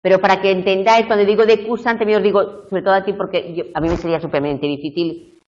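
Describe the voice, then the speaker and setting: A woman's voice: mid-range voice, steady tone, fast talker, darkish tone. A middle-aged woman giving a university tutorial lecture, explaining step by step and often checking in with her students. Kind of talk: live video tutorial lecture. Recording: muffled lo-fi classroom recording.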